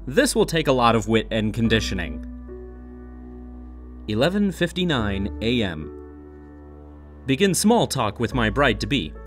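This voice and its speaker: Theatrical man reading with very animated pitch. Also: measured pace, pauses often, soft background music. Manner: mock-serious, theatrical. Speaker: humorous reader of an online classified ad. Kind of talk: dramatic reading, scripted comic narration.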